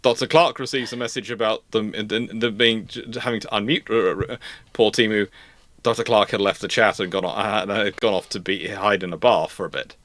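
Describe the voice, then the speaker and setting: A man's voice: lowish voice, steady tone, brisk, a bit bright, no echo. A man talking casually as host of a live history discussion, rambling and often restarting his phrases. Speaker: host answering naval history questions.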